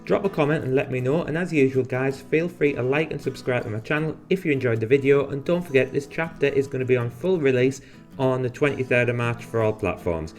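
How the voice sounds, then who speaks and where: With faint music playing behind him, a mid-range male voice moves along fairly quickly. The gaming channel host breaks down new characters and their abilities in an easygoing guide, occasionally adding a wry, sarcastic comment.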